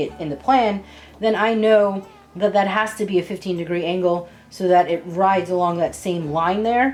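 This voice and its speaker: A woman talks at a moderate pace in a Rhode Island accent. Noticeable background noise runs behind her. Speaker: woodworking YouTuber. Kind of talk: tutorial. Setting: home garage workshop. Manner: casual, conversational.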